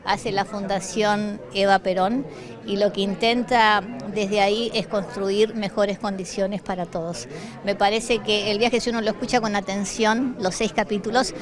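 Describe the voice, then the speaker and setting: An Argentine woman giving a measured, explanatory answer in an interview. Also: medium pitch, steady tone. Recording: busy crowd behind.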